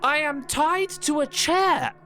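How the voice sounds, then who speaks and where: A man's voice: very high voice, slow, pushed and bright, faint music behind, voice pushed up, full character voice. A man voicing a defiant, aggrieved young woman in a game, protesting dramatically. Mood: mock distress.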